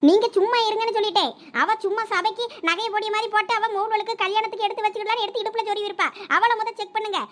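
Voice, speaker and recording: A woman playing a quarrelsome village woman with a Thoothukudi Tamil accent, scolding rapidly. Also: extremely high pitch, fairly even intonation, a bit bright. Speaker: actor in village family drama. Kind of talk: village comedy sketch acting.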